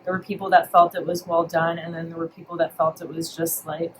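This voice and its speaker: A woman guest in a casual makeup chat, agreeable and soft-spoken, often answering with a quick yeah. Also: fairly low pitch, flat delivery, background noise.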